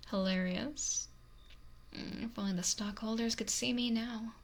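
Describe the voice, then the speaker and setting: A woman playing a possessive, wealthy mafia boss in an intimate ASMR roleplay, breathy and often whispery, with a slow, softly threatening manner. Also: fairly high pitch, steady tone. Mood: lonely, wry. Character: possessive, domineering wealthy female mafia boss, lonely, menacing. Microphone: close binaural ASMR microphone.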